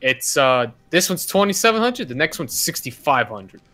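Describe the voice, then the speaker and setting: A man's voice: a little high, big pitch swings, moderate pace, sharp tone. A man chatting casually as a player in a tabletop game. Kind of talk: casual chat.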